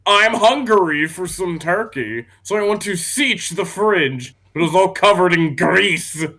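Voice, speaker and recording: A bright, sharp voice of medium pitch, speaking slowly. The delivery is casual and terse, with drawn-out interjections while reading comments aloud with friends. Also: expressive.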